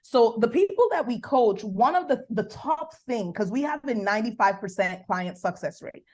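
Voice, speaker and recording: Brief: Nigerian-accented woman, business coach guest, animated sermon-like delivery. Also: on the high side. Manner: animated, preacherly, bursts of quick speech. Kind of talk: faith-based coaching conversation.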